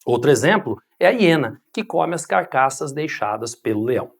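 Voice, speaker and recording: A woman narrating a scripted biology lesson in a measured way. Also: a bass voice, slightly rough. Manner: measured, lively intonation. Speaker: biology teacher.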